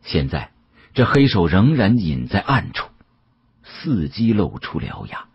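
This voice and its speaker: A man with a husky voice narrating a first-person story as an expressive, scripted audiobook. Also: low-pitched, measured pace, highs cut off, a little hiss or hum.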